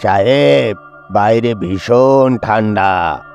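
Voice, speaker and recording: A man narrating a storybook, voicing an eerie coachman with a metallic, unhurried voice who speaks very slowly. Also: on the low side, highs cut off, soft background music, exaggerated voice. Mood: flat. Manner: very slow, flat and gravelly.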